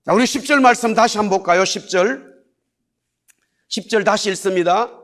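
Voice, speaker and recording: A man's voice: high voice, normal speed, fairly bright tone. A man pastor preaching a sermon in church, stressing key words by repeating them and having the congregation repeat lines after him. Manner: leads the congregation in repeating phrases aloud. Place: church sanctuary.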